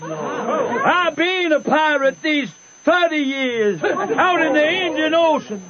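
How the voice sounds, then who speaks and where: An old sinner of a pirate in a radio play, wailing his testimony. The pitch is extremely high and the words are dragged out very slowly, with a crowd behind him. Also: expressive, highs cut off, heavily acted. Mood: wailing repentance. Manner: wailing, declaiming, drawn-out revival testimony. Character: old swindler feigning a repentant pirate sinner. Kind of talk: radio drama acting.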